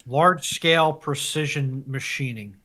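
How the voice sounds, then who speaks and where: A man's voice: mid-range voice, unhurried, pushed and bright. A man on a panel chatting casually about a specialist subject. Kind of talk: casual chat.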